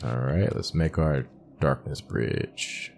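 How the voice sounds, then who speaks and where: A man's voice: a bass voice, slow, creaky, darkish tone, faint music behind. A man giving casual, informal playthrough commentary as a gaming video host, thinking aloud as he goes.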